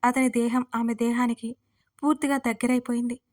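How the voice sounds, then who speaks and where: Female narrator, audio serial; fairly high, flat even reading. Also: moderate pace. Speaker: storyteller. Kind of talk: scripted story narration.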